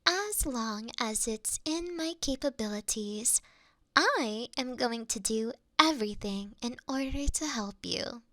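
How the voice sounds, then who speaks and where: A woman playing a mischievous, affectionate fox-spirit shrine priestess in an intimate roleplay, coy and teasing, often slipping into a breathy whisper. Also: a little high, animated, slow pace, pushed and bright, no echo, heavily acted. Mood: tender, reassuring. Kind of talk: intimate roleplay ASMR acting.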